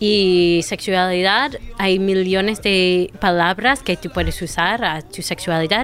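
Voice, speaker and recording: A woman with an American accent, medium in pitch, at a very slow pace, with ordinary pitch variation. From United States. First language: English (speaking Spanish). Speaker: guest speaker on queer vocabulary. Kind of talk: casual radio chat.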